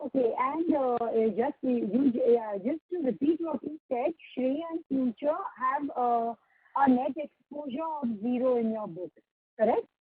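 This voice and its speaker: A woman analyst asking questions over an unclear phone line on a conference call, halting as she searches for words. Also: high-pitched, husky, dry recording. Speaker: analyst caller. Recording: muffled tinny phone line, dry.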